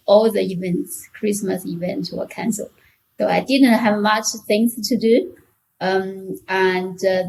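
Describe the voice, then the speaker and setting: A woman with a Chinese accent chatting as a podcast guest in a halting, hesitant way. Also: mid-range voice, creaky, a little mellow, a little hiss or hum, poor audio. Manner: halting, hesitant, many short restarts. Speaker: podcast guest, technical author. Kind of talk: casual interview chat.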